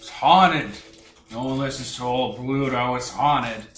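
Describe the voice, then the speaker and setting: Speaking at a moderate pace, a man adopts a put-on character voice. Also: medium pitch for a man. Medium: actual play. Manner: muttering, ominous.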